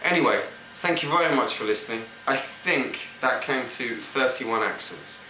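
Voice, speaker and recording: Brief: London man, actor, chatty and loose, bright tone, roomy echo. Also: medium pitch, animated, normal speed, slight background noise. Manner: chatty, loose, lots of fillers. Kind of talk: casual accent showcase monologue.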